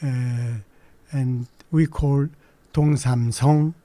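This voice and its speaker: A man in his eighties, native Korean speaker, recalling his childhood in a halting way with many pauses. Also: mid-range voice, steady tone, dark tone, dry recording. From Manchuria. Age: 80s. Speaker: guest. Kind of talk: recalling memories in an interview.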